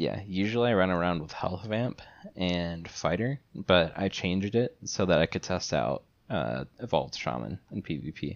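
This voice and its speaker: Very deep and low in pitch, a man's voice carries vocal fry and lively intonation. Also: moderate pace. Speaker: podcast co-host. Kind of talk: casual chat.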